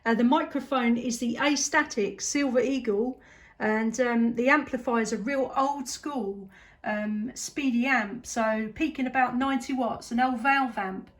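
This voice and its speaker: During an easygoing radio contact, a female amateur radio operator from southeast England talks casually and appreciatively. Her southern English accent comes through in a fairly high voice that never hurries.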